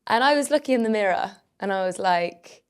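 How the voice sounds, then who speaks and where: A woman's voice: medium pitch, animated, brisk. Chatty young woman singer, laughing often. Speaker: singer guest. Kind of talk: casual interview chat.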